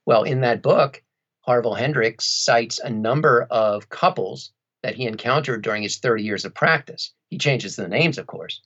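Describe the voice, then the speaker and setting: A man's voice: medium pitch, moderate pace, fairly bright tone, slightly rough, highs cut off. A man speaking as an interview guest in a thoughtful conversation, choosing his words carefully and rather formally. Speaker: audiobook narrator, podcast guest.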